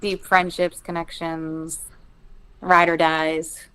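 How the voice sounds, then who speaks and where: Smooth-voiced woman from Massachusetts. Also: low voice, level tone, slow, a bit bright, low-quality recording. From Massachusetts, United States. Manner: thoughtful and hesitant, with many fillers. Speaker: podcast guest. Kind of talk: casual interview chat.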